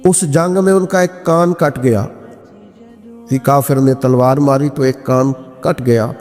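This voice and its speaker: A man's voice: medium pitch, fairly even intonation, darkish tone. A man with a Pakistani Punjabi accent preaching an impassioned, rhetorical Muslim sermon with storytelling and verse. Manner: impassioned, rhetorical, slow emphatic delivery with swelling exclamations. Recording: echoey hall reverb with music behind. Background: background music.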